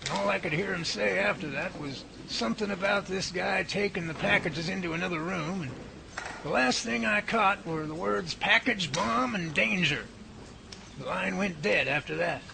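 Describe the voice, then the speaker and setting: A man playing a professor who calmly reasons things out and takes charge, in an amateur radio drama. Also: high-pitched, normal speed, gravelly. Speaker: professor leading a research lab. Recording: noisy amateur recording.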